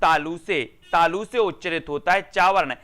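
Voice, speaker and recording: A man's voice: high voice, moderate pace, sharp tone. A man teaching an online exam-prep Hindi grammar class, calling out students by name and answering his own questions. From India.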